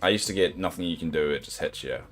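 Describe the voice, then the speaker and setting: A young adult man with a New Zealand accent and a deep, soothing voice, chatting casually and self-deprecatingly with his viewers while playing a game. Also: quick pace, a bit bright, soft background music. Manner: rambling, self-deprecating, sympathetic. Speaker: game streamer.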